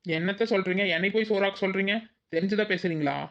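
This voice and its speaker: A woman's voice: medium pitch, fairly even intonation, fast talker, highs cut off, close to an everyday voice. A woman voicing a lazy, cheeky young village daughter-in-law in a cartoon, dodging cooking with sly excuses. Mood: questioning. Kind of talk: village cartoon comedy acting.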